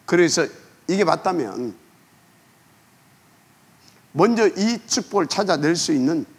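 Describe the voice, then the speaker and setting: A man preaching a sermon as pastor, emphatic, asking rhetorical questions and letting phrase ends trail off quietly. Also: fairly high pitch, expressive, unhurried, breathy edge.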